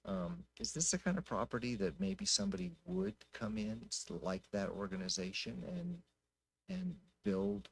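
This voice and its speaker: A man speaking informally at a public council meeting, thinking out loud in a folksy, conversational way. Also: high voice, very animated, normal speed, gravelly, breathy edge. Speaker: city council member.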